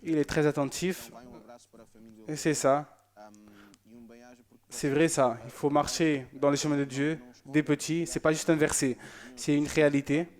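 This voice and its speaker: A man's voice: on the high side, flat delivery, unhurried, long pauses, darkish tone. A man presenting a church show, chatting casually and joking as he reads out viewer messages.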